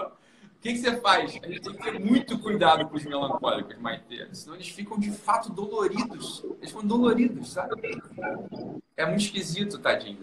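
A man hosting a casual chat, explaining personality temperaments to a young guest in an animated, teasing way. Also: fairly high pitch. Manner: animated and teasing, often tags "entendeu?". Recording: roomy room with clear background noise.

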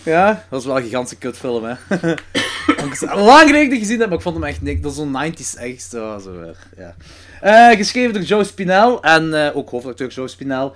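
Lively man hosting a film chat. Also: a little high, brisk. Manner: animated, enthusiastic storyteller. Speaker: podcast host. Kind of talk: casual chat about horror films.

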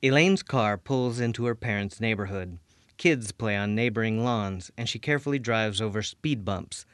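Male narrator, scripted reading, fairly low pitch, dry studio-like sound. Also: moderate pace, smooth, no room sound.

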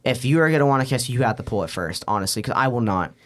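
A man's voice: medium pitch, animated, quick pace. A young man chatting casually on a podcast like a frat bro, slangy and full of swearing. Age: young adult. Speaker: podcast host.

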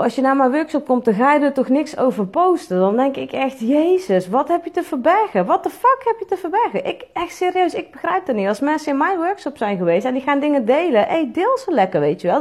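A woman's voice: fairly high pitch, darkish tone. A woman, an entrepreneur talking frankly on her own show, swearing freely and filling her speech with tag questions. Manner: frank and blunt, swears freely, fills with "weet je wel". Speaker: entrepreneur and podcast host. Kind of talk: candid solo monologue.

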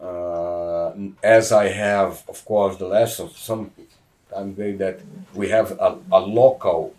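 A man's voice: sits low, fairly even intonation, slow, darkish tone, far from the mic. A middle-aged Brazilian man, a jiu-jitsu black belt, telling stories in emphatic, broken English with a heavy Brazilian accent. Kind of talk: casual interview.

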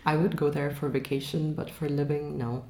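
Deep-voiced woman in a roomy echo. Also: normal speed. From Dubai. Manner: relaxed, frank, many fillers. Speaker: guest. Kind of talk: casual interview chat. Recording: roomy echo, faint background noise.

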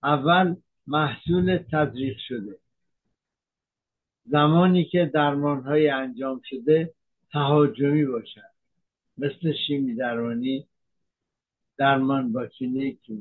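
Doctor, male, mid-pitched, steady explainer with pauses, narrow tinny audio. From Iran. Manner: measured, explains terms, frequent hesitations. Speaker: physician giving health talk. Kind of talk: explanatory medical talk.

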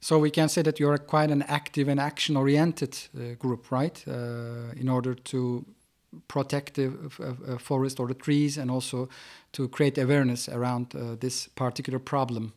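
A man's voice: mid-range voice, level tone, moderate pace, darkish tone. A man hosting a podcast panel discussion from an office, speaking with frequent hesitations and fillers. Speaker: podcast host.

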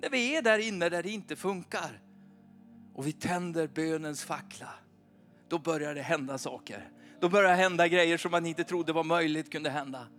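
A man in his forties preaching an informal, animated sermon at a church meeting, often asking his listeners "va?". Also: fairly high pitch, faint music behind. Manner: chatty, animated, keeps asking the crowd "va?".

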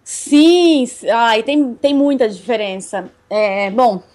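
A woman's voice: fairly high pitch, expressive, takes it slowly, a little mellow. A young Brazilian woman telling about her bicycle travels in a casual interview, chatty and laughing often. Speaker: cycle traveler guest.

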